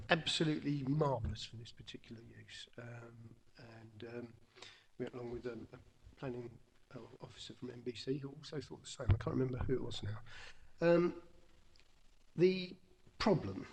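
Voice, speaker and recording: Hesitant English councillor, gravelly voice. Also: male voice, mid-range voice. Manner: hesitant, lots of ums, conversational. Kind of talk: unscripted committee remarks. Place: council chamber. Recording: council webcast with long hall reverb.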